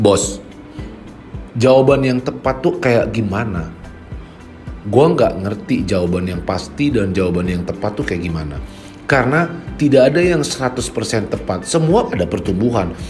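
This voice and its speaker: With music in the background, a man speaks using very wide pitch swings. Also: fairly low pitch for a man, moderate pace. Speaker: motivational speaker. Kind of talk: motivational spoken-word talk. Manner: casual Jakarta slang, direct.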